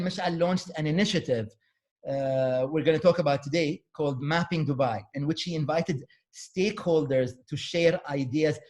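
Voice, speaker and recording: A man hosts an online talk from his computer, introducing his guest and moving through slides. His voice sits somewhat high for a man, and he speaks loosely, with fillers and a few Arabic words mixed in. The sound is plain computer-mic audio on a video call. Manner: relaxed, halting with fillers, mixes in Arabic words. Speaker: host.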